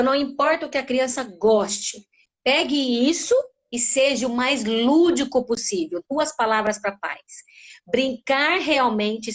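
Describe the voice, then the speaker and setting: This speech therapist, a middle-aged woman from Brazil, presents an animated live webinar and demonstrates sounds vocally. Her voice is a little high.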